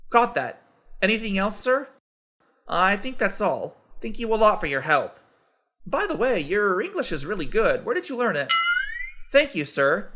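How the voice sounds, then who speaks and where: A man reading scripted everyday conversations for English learners, in a clear, evenly paced textbook delivery. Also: sits high, sharp tone. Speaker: dialogue voice for English practice.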